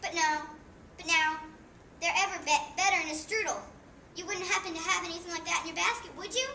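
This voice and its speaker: A woman's voice: very high-pitched, fairly quick, bright, forceful tone, full character voice. A teenage girl playing an exasperated, overworked young Snow White with a sweet tooth in a chatty, complaining stage monologue. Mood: tempted. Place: indoor room at a library performance. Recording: roomy, distant mic, faint noise.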